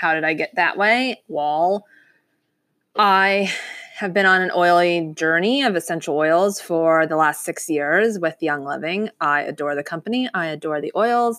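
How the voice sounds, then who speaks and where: An ordinary speaking voice talks at a fairly slow pace with ordinary pitch variation, on a very clean recording with a silent background. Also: woman, fairly low pitch for a woman. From US South, South Florida. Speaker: podcast host, aromatherapist. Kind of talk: casual monologue. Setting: at home. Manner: casual, rambling with fillers.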